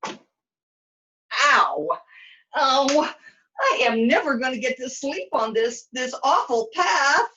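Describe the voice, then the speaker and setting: A woman's voice: high-pitched, animated, slow pace, long pauses, sharp tone, a little hiss or hum, voice pushed up, heavily acted, poor audio. A woman voicing a dramatic, whiny, naive young servant girl in a puppet show, flustered and repeating herself. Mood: frustrated. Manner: melodramatic, repetitive, flustered.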